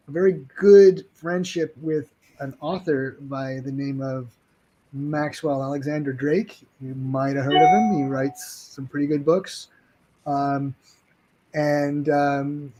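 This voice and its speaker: A man talking as an interview guest about his game products, halting and restarting often. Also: a little high, dark tone, slight background noise, poor audio. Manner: halting, restarts with many ums and uhs. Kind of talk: casual interview chat.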